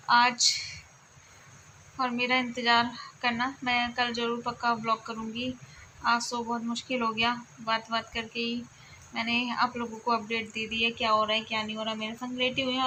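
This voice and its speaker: A woman vlogger talking softly and reflectively to her viewers while lying down at home, often repeating herself. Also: on the high side, slight background noise. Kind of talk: casual confiding chat to viewers.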